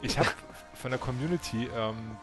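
A young man with a German accent hosting a casual multiplayer let's play, chatty and quick to laugh. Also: mid-range voice. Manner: chatty, laughing, hurried asides. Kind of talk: casual gaming chat. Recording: game music behind voice.

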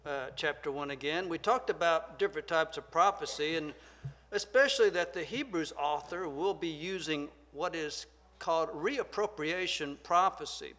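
An older man with a Southern American accent teaching a church Bible class at a lectern, soft-spoken, measured and deliberate. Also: on the high side, in a large hall. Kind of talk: Bible study lecture. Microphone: lectern microphone.

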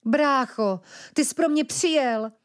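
Woman voicing a young girl ferret princess, raised voice, expressive, lively pitch, storybook. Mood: relieved. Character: young female ferret princess, trained thief.

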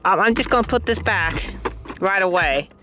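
A man's voice: high-pitched, normal speed. Guy rambling through an unboxing outside by the runway, phone on a tripod, music playing under it. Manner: chatty, self-mocking, easily excited. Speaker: aviation YouTuber. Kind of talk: casual unboxing vlog. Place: outdoors at an airport.

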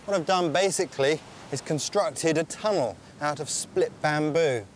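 Calm man explaining survival skills. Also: fairly high pitch, moderate pace, slight background noise. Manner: calm, explanatory, tells and shows step by step. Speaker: survival expert and presenter. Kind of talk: documentary narration and on-location demonstration. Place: outdoors on a tropical island.

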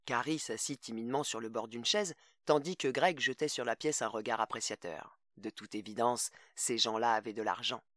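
A man narrating a short story as an audiobook in a measured, steady reading. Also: mid-range voice, no echo, studio quality.

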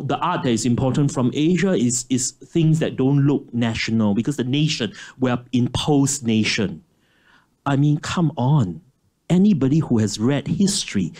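A man's voice: a little high, dark tone. Emphatic, sarcastic man on a panel. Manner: emphatic, impatient, mildly sarcastic. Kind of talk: conference panel discussion. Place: stage of a large auditorium.

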